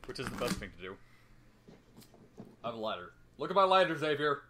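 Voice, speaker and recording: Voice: medium pitch, very animated, fairly quick, bright, forceful tone, a little hiss or hum. A teasing, exclamatory host chatting casually and breaking off into asides during an amateur reading.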